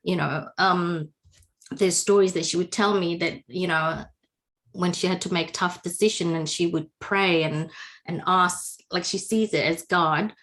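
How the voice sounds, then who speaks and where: A woman's voice: fairly low pitch, steady tone, a little slow. A woman from Indonesia, telling her life story as an interview guest over a video call, searching for words with many fillers. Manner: warm, searching for words, frequent laughs and fillers.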